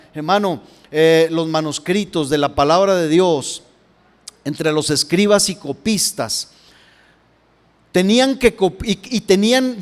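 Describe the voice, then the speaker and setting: Male pastor, high voice, unhurried sermon delivery, big reverberant church sound. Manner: addresses listeners as brother, rising and falling emphasis. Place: church hall.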